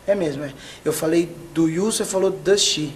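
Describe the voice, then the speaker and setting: Playful male sketch actor, high voice, faint room noise. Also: normal speed. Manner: chatty, playful back-and-forth. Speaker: actor in an educational show. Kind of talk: scripted classroom sketch dialogue.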